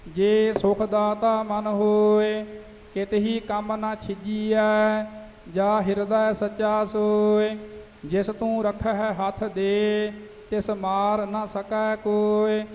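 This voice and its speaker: High, flat-chanting man in a reverberant hall. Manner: steady sing-song chant, line by line. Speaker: student reciting scripture. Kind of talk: chanted scripture recitation.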